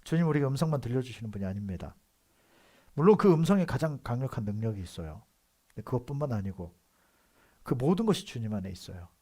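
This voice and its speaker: A male pastor with a Seoul accent preaching a sermon in a conversational way, moving between quiet asides and loud emphatic outbursts. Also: medium pitch, very animated, fast talker, slightly rough. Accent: Seoul Korean. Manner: conversational preaching with frequent affirming "yes" asides.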